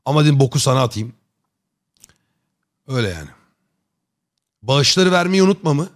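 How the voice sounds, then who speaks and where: A man's voice: mid-range voice, expressive, brisk. Joking, chummy male streamer. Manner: joking, rambling, chummy slang. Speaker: live streamer chatting with viewers. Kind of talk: casual chat.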